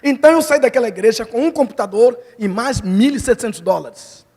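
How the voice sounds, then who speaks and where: Man, high voice, missionary preacher, storytelling sermon, long church-hall reverb. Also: brisk. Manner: animated storytelling, acts out quoted voices.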